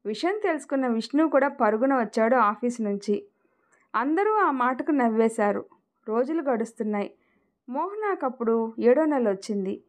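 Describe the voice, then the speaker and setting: A woman narrating an emotional family story in a measured storytelling manner. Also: a little high, animated.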